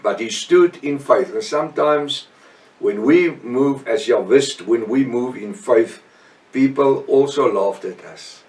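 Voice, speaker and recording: A man's voice: medium pitch, darkish tone. Echoey South African Afrikaans preacher, male, middle-aged. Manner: earnest, emphatic, halting delivery with repetition and short phrases. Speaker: preacher and Bible teacher. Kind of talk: extemporaneous Bible teaching sermon. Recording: echoey room, distant microphone.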